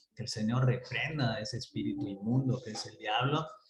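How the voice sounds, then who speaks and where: Speaking at a moderate pace, a man with a medium pitch and ordinary pitch variation comes through with audible room echo and noticeable background noise. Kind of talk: sermon. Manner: soft-spoken.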